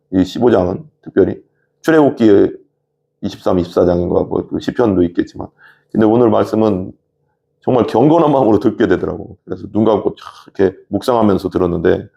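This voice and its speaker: A male pastor giving a sermon in a relaxed, conversational manner, explaining each point and asking rhetorical questions. His voice sits low, with a gravelly rasp and a dark, mellow tone. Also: dull audio.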